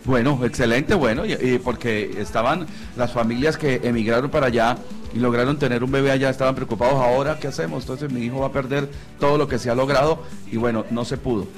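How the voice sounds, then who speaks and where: A man's voice: mid-range voice, fairly even intonation, fast talker, faint music behind. A Colombian man hosting a live Christian radio talk show, conversational, often repeating himself as he searches for words.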